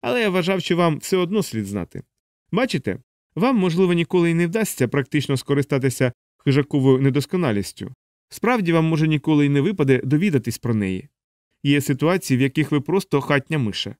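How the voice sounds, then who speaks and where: A man's voice: fairly high pitch, very animated, fast talker, darkish tone, dry recording, studio quality, voice pushed up. A man voicing a fussy male alien helper who lectures at length, in an audiobook. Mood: lecturing. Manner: didactic, explaining at length. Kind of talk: audiobook character voice.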